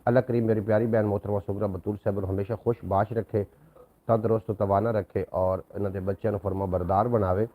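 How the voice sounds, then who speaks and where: A man's voice: fairly low pitch, level tone, brisk, narrow, tinny audio. A man hosting a casual live stream, courteous and full of blessings and thanks for his viewers. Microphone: new microphone.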